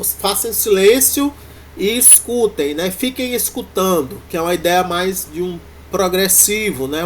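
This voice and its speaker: Man, Brazilian Portuguese accent, teacher, halting lecture, high voice, unhurried. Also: a little hiss or hum. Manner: halting, many fillers and restarts. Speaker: university Greek teacher. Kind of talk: classroom lecture.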